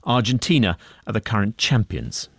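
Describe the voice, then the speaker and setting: A man presenting the news and interviewing guests in a crisp, formal delivery. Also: on the low side, expressive, normal speed, a bit bright, dry recording.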